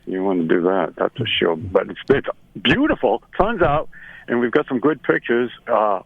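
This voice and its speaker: A man's voice: fairly low pitch, lively intonation, moderate pace, vocal fry, husky, no echo, narrow, tinny audio. A middle-aged or older man giving a chatty, folksy, casual birding report for radio by phone from inside a car. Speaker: birding correspondent.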